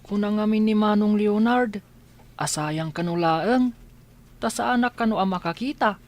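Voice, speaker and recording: A woman's voice: medium pitch, moderate pace, darkish tone, lightly acted. A woman voicing an earnest blind schoolchild who asks wistful questions.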